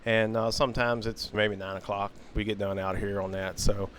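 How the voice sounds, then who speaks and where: A man's voice: fairly low pitch, flat delivery, moderate pace, fairly bright tone, a little hiss or hum. A man who runs a hobby shop, talking in an easygoing way with fillers in a casual chat.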